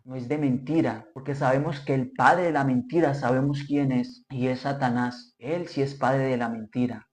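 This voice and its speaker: A man's voice: medium pitch, darkish tone. Earnest man teaching scripture. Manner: earnest, repetitive, acts out quotes. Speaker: preacher. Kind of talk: informal Bible study teaching.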